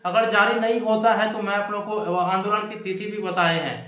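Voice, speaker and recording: A man's voice: sits high, steady tone, normal speed, sharp tone. A man giving an emphatic explanatory update to viewers, repeating his points, as host of a student news channel. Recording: echoey room.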